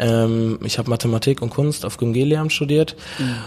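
A man of medium pitch talks with fairly even intonation in a somewhat breathy voice. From Siegerland, Germany. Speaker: pub owner. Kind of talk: casual chat. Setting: in a pub.

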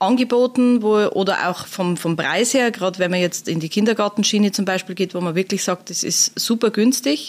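Here a woman speaks at medium pitch. Her pitch variation is ordinary. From Germany, northern Upper Palatinate (Waldsassen). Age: 40s. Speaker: photographer. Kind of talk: interview. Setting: studio.

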